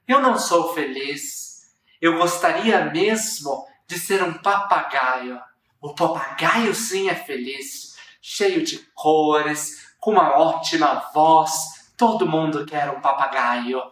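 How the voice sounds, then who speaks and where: A Brazilian teacher voicing a calm, unhappy swan. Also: medium pitch, slow pace. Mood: wistful. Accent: Brazilian Portuguese. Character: beautiful but unhappy swan. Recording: roomy echo, distant mic.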